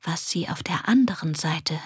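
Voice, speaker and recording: Breathy woman narrating a storybook softly. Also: low-pitched, normal speed, no echo, clean studio sound. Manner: soft, often whispery, expressive. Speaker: audiobook narrator.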